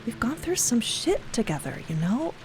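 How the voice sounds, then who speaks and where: An actress plays a young woman in a fiction podcast, fiercely loyal and earnest. Her voice sits fairly high, and she talks in casual, emotional bursts with a teasing edge. Music plays clearly behind her. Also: big pitch swings, normal speed. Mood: earnest pleading. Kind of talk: dramatic audio fiction acting, conversational. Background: music and rain sounds.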